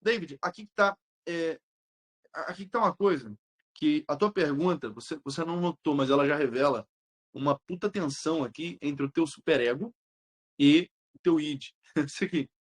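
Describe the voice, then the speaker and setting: A young man with a Brazilian Portuguese accent, an exam-prep teacher talking casually with his students, blunt, slangy and quick to swear. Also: a little high. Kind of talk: casual live chat answering students.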